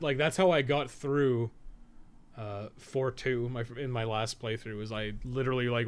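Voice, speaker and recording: His medium-pitched voice is clear and resonant as he chats loosely about the game he's playing. A podcast co-host and game guide author, he thinks aloud, wonders at himself with questions, and lets thoughts trail into tangents.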